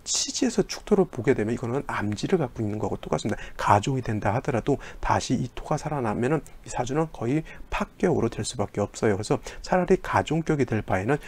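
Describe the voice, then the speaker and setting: 차분하게 설명하는 사주 강의 남성 강사. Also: male voice, medium pitch, animated, fast, few pauses, breathy edge. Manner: lecturing with rhetorical questions and acted-out student voices. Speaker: saju fortune-telling teacher. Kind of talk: explanatory lecture.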